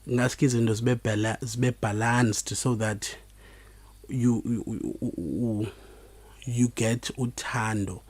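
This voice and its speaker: A man with a Xhosa South African accent hosts an informal podcast, speaking in a halting, reflective way. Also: mid-range voice, fairly even intonation, darkish tone, no echo. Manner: halting, reflective delivery with repeated words. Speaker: podcast host. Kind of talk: informal solo podcast talk, mixing two languages.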